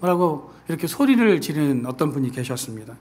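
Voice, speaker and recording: Earnest male pastor with a slightly high voice. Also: big pitch swings, a little fast, husky. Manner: acts out quoted voices, then drops to a soft earnest tone. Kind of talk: sermon. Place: church sanctuary.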